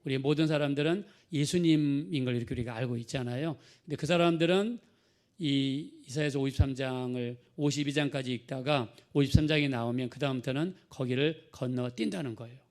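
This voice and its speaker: A man's voice: medium pitch, a little fast, a little mellow. Storytelling male pastor preaching. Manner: conversational storytelling, acting out quoted people. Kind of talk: sermon.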